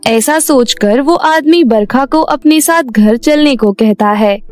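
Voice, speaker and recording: A woman narrating a children's cartoon story in a gentle, even voice over faint music. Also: sits high, slow.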